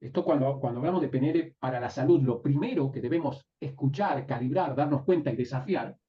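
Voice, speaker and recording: A man's voice: medium pitch, brisk. Man lecturing a class from afar. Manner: asks the class frequent checking questions. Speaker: NLP teacher. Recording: distant, dull lo-fi room recording.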